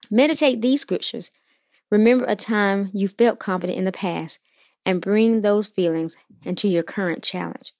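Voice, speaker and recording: A woman hosting a Christian motivational podcast, reading scripture and encouraging listeners in an earnest, steady way. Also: mid-range voice, dry recording, studio quality. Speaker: podcast host.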